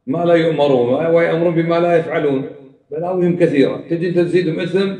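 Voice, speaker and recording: A man's voice: a little high, darkish tone. A man giving a scolding religious lecture, asking rhetorical questions and mocking opposing arguments. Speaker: preacher. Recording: echoey room, speaker far from mic.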